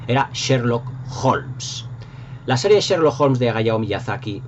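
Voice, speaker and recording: Hosting a video, a middle-aged Spanish-accented man from Spain reminisces with effusive, rambling enthusiasm in a casual style. He speaks slowly and animatedly at medium pitch. The highs are cut off, with slight background noise.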